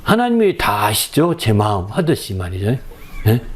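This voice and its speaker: A male pastor preaching a sermon, often prompting the congregation with quick questions and shifting between soft asides and raised exclamations. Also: lowish voice, huge pitch swings, a little hiss or hum.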